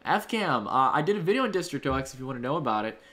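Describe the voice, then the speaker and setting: Streaming from his home room, this host has a medium-pitched voice that swings widely in pitch, coming out rapid-fire, pushed, and bright. He rambles loosely as he thanks donors and responds to chat.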